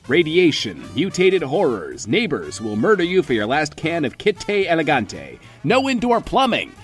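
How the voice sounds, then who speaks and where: Cocky bunker radio DJ, animated delivery. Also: male voice, on the high side. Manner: showy, sardonic, mock-boastful patter. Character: cocky, self-absorbed male post-apocalyptic bunker radio host. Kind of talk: comedic audio drama radio DJ acting.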